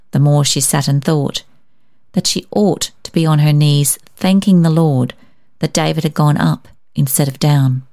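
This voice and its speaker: A woman reading a literary story aloud as narrator, in an expressive scripted style. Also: sits low, no room sound, clean studio sound. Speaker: story narrator and podcast host.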